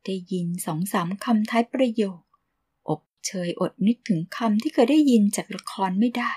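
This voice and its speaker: A woman narrating a romance novel in a calm, measured storytelling manner. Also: a little high, breathy edge. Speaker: audiobook narrator. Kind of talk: novel reading.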